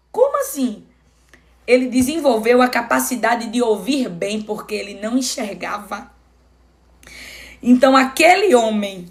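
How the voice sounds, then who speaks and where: A woman preaches a Bible study on a live stream, her voice set a little above the usual pitch. She leans on repetition for stress and shifts her pace often, slowing down to drive a point home. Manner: emphatic, repeats phrases for stress.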